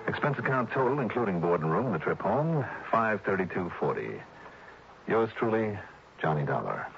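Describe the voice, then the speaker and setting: A man's voice: on the low side, big pitch swings, normal speed, gravelly, noisy background. An actor playing a tough, wisecracking male insurance investigator, narrating in clipped, dry 1960s radio drama style. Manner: dry, clipped, hard-boiled. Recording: dull old radio recording with music.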